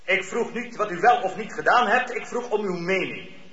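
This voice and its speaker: High-voiced, imperious courtroom judge. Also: male voice, moderate pace, a bit bright. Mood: stern, impatient. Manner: formal, commanding, precise. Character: stern male presiding judge, imperious, impatient, procedural. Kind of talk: radio drama acting. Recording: roomy, dull lo-fi radio recording.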